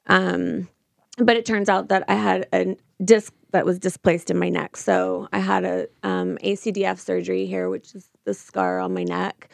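A woman giving a personal account in an interview. Her voice has a lot of vocal fry and sounds close and dry. She talks informally and haltingly, restarting phrases as she goes. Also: lowish voice, little pitch movement, dry recording. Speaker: interview guest.

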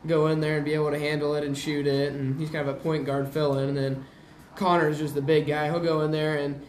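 Teenage male player being interviewed; plain-spoken, rather flat intonation, echoing room with faint noise. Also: a little high, brisk. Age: teens. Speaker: high school basketball player interviewed. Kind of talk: casual interview answers.

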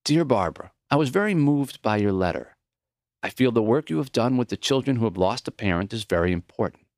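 A man voicing a gentle, reflective, dying elderly teacher in an audiobook, speaking earnestly and plainly in measured phrases. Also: mid-range voice, lively intonation, dry recording, studio quality, close to an everyday voice. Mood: sorrowful. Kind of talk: audiobook character voice.

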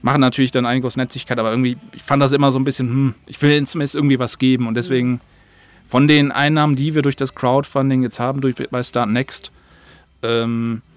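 A man's voice: medium pitch, little pitch movement, fast talker, no room sound. A man chatting casually as an interview guest, informal, slangy and a bit rambling. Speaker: interview guest, audio drama maker. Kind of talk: casual chat.

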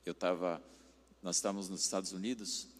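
A man's voice: low-pitched, steady tone, brisk. A man from southern Brazil with a German accent in his Portuguese, preaching conversationally as a pastor. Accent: German-influenced Brazilian Portuguese. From Curitiba, southern Brazil. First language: German as first language of literacy. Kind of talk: conversational sermon with anecdotes. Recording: reverberant hall sound.

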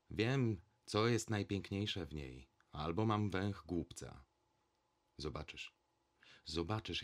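A man reading a story aloud and voicing a brash, cynical male theatre director who talks loudly and coarsely. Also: deep voice. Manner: loud, coarse, blustering.

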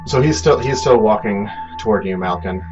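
Low-voiced male game master. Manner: conversational, halting scene-setting. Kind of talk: improvised tabletop game narration. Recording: dull audio under loud music. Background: music.

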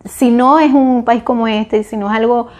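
A woman's voice: on the high side, steady tone, normal speed, a little mellow. Reflective Venezuelan woman talking to camera. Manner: reflective, searching for words with frequent restarts. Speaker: vlogger. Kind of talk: casual monologue.

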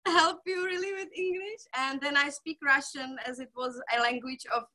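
A middle-aged woman from the Czech Republic, a native Czech speaker, talking as a healer guest in halting English, effusive and laughing often. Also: high voice, fairly even intonation, bright, forceful tone. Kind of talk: conversational interview.

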